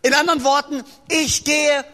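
A man preaching a sermon to a congregation, lively and joking as he speaks straight to his listeners. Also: very high voice, normal speed. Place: church hall. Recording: long reverb of a large hall.

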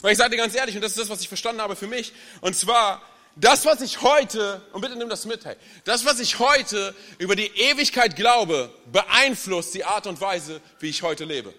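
High bright young man preaching in a hall. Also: moderate pace. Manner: energetic, chatty, tells jokes. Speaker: guest preacher. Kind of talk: sermon. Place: large church hall with audience.

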